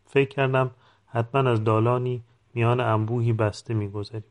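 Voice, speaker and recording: A man reading a novel aloud in calm, measured scripted narration. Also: mid-range voice. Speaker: audiobook reader.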